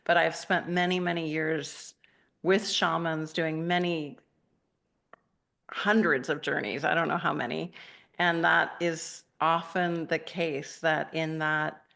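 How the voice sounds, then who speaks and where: Low, gravelly woman meditation teacher. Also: level tone, slow pace. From Argentina. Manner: gentle, rambling, laughs often. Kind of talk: casual live-session chat with participants.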